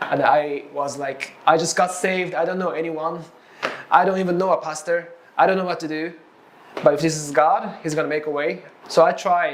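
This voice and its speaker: Speaking at a moderate pace with a Japanese accent, a man with a high voice holds a monotone, flat intonation over noticeable background noise. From Japan, Tokyo. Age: 20s. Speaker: pastor. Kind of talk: testimony. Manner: halting.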